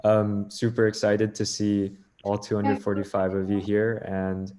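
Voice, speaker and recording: A man's voice: fairly low pitch, completely flat delivery, unhurried, mellow. A young man giving a brief, friendly self-introduction over a video call. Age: young adult. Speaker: nonprofit officer.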